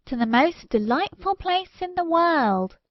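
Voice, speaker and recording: Woman voicing a cheery, high-pitched magical talking ball. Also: animated, a little slow, no echo, muffled recording. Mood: cheerful, enticing.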